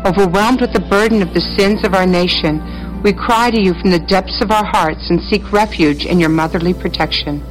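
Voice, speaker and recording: A woman's voice: fairly low pitch, soft background music, poor audio. Woman reciting a solemn prayer. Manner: slow, solemn, even reading.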